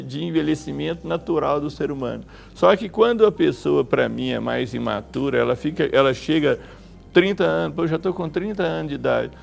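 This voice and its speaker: Man psychologist, gravelly voice, a bit higher pitched, soft music behind. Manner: thoughtful, measured explanations. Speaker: psychologist guest. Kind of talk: explaining on a talk show.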